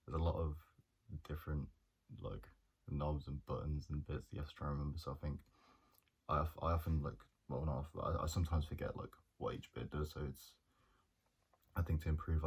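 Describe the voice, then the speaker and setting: A young man, a journalism student talking through his plans in a hesitant, monotone way with many pauses and restarts. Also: a bass voice, breathy edge. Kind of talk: casual reflective monologue.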